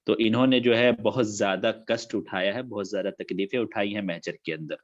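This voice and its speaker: A man's voice: lowish voice, highs cut off. A man teaching an online class, repeating key facts and dates.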